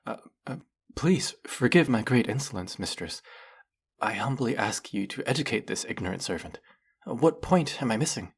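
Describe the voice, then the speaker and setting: A man's voice: mid-range voice, lively intonation, normal speed, slightly rough. A man playing a fanatically devoted, lovestruck male demon servant in a fantasy audio roleplay, speaking in a formal, theatrical, over-the-top reverent way. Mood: flustered pleading. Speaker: voice actor.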